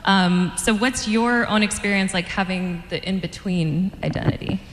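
A woman interviewer on stage asking measured, prepared questions, with occasional fillers. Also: medium pitch, steady tone, noisy background. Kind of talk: onstage author interview. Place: event stage before an audience. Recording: roomy hall, long reverb.

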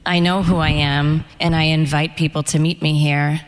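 A middle-aged novelist, being interviewed in front of a live audience, shares candid, dryly funny reflections on her life and books. Her low voice is flat and a little slow, and the venue's echo lingers in a long reverb.

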